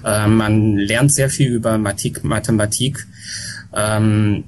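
A middle-aged man from China, a podcast guest talking slowly and hesitantly, with many pauses and restarts. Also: lowish voice, fairly even intonation, darkish tone, a little hiss or hum. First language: Chinese. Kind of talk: casual podcast conversation. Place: home near an airport. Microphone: remote call from home.

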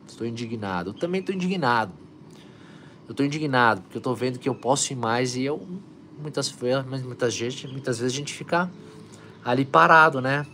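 A man's voice: mid-range voice, a bit bright, a little hiss or hum. A man hosting a motivational live stream, urging viewers on with energy and reading out their comments. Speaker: live stream host, coach.

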